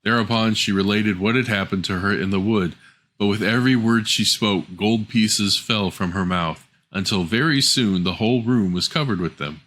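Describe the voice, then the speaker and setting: A man's voice: fairly low pitch, moderate pace, a bit bright. A man reading a scripted fairy tale as a storyteller.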